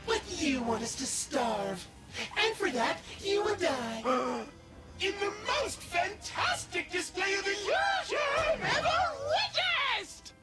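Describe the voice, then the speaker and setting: A man's voice: very high voice, big pitch swings, takes it slowly, heavily acted. An actor voicing a grinning villain, a colony of alien bacteria posing as a male self-help guru, who talks like a gleeful showman and giggles between threats. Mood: theatrical. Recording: game audio under music.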